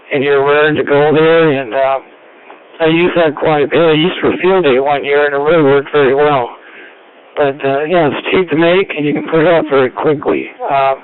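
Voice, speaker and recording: A man running an amateur radio net over two-way radio, explaining things in a casual, halting way. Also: on the high side, clean tone, phone-quality sound. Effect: two-way radio transmission. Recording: band-limited two-way radio audio.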